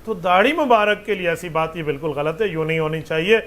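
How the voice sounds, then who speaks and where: A man's voice: fairly high pitch, fast, fairly bright tone. A man, a mufti answering religious questions with patient explanations and rhetorical questions.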